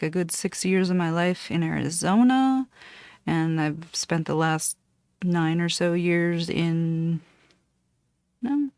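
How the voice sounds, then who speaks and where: A woman in her late thirties, originally from Costa Rica with Spanish as her first language, chatting casually and rambling as she introduces her channel from a dark room at home. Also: lowish voice, vocal fry, dry recording. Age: 30s. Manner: meandering, self-correcting, chatty. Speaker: cross-stitch vlogger.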